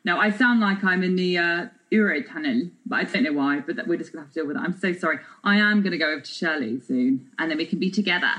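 A woman's voice: lowish voice, fast talker, hardly any pauses, a bit bright. A woman co-hosting a casual chat podcast, her voice echoing as if she were recording in a tunnel or a cave. She talks in a chatty, self-mocking, rambling way. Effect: echoey tunnel-like sound, as in a cave. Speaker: podcast co-host. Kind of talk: casual chat between friends.

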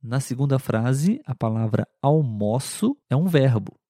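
A man giving a language lesson, repeating words and sentences slowly and clearly for learners. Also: medium pitch, expressive, warm tone, no echo, studio quality. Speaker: language teacher. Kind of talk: slow explanatory lesson.

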